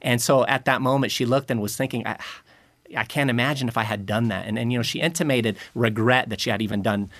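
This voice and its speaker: A man's voice: mid-range voice, steady tone, fast, a bit bright, no echo. A man in his forties from Lebanon, a guest on a radio interview, telling his story earnestly with some fillers. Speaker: radio guest, publishing president. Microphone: studio microphone.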